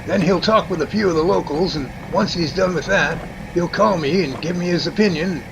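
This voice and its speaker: Man acting a creaky, folksy professor. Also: high voice, fairly quick, background noise. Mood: explaining. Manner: folksy, wordy, explanatory. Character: chatty, folksy professor, enthusiastic male explainer. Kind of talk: amateur radio drama acting.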